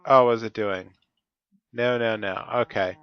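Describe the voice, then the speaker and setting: A man's voice: on the low side, fairly even intonation, a little slow, no room sound, highs cut off. A man with a stuffy, cold-affected voice, talking methodically through each step of his gameplay. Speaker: Let's Play host. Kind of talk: casual gameplay commentary.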